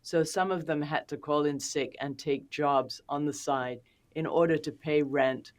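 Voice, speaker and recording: A woman's voice: low voice, steady tone, unhurried. A woman speaking as a policy expert in an interview, explaining methodically with questions and plain examples.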